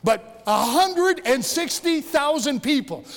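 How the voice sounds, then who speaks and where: A man's voice: extremely high pitch, animated, takes it slowly, fairly bright tone, big-room sound. A man in his sixties from Michigan, a longtime pastor preaching a sermon in a church in a folksy, joking way with many restarts. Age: 60s. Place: church sanctuary.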